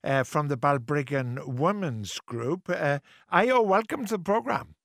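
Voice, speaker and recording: A man's voice: a little high, expressive, unhurried, vocal fry, a bit bright, no echo, studio quality. A man hosting a radio talk show, asking direct questions in a friendly way. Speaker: radio host. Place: radio studio.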